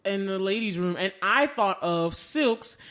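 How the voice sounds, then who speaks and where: A woman's voice: mid-range voice, animated, measured pace, a bit bright. An American woman co-hosting a podcast in casual banter, playful and giggly, often slipping into bits of song. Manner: playful, giggly, often breaks into sung snippets. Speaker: podcast co-host. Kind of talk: casual banter between co-hosts.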